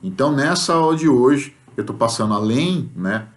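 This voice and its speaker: Lively Brazilian male English teacher. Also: medium pitch, normal speed. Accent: Brazilian Portuguese. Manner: explanatory, frequent "tá?" check-ins; lively, acts out example sentences. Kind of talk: recorded remote class lesson.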